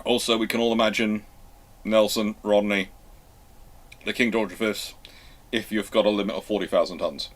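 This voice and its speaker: A man hosting a live question-and-answer history talk, speaking in a halting, emphatic way as he reworks his phrases. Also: on the low side, steady tone. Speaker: host answering viewer questions.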